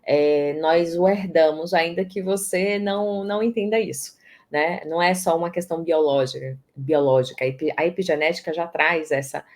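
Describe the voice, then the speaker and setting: Bahian woman guest chatting, lowish voice, lots of restarts and repeats, expressive. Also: normal speed. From Brazil, Salvador, Bahia. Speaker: guest, systemic positioning strategist. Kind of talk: casual interview talk.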